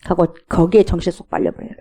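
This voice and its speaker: Woman pastor with a gravelly, dark voice. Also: on the low side, sing-song, fast. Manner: storytelling sermon, acting out characters' lines, dropping to whispers. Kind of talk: sermon.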